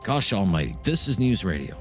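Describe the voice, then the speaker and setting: A male radio talk show host with a low voice guides a call-in segment. He speaks in brisk, sympathetic asides as faint music plays underneath. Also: big pitch swings.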